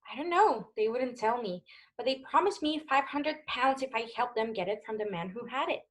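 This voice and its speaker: A woman's voice: a little high, lively intonation, moderate pace, lightly acted. A woman playing an anxious, seductive, manipulative femme fatale in a 1940s noir radio play, coy and dramatic in her delivery. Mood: evasive. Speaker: voice actor.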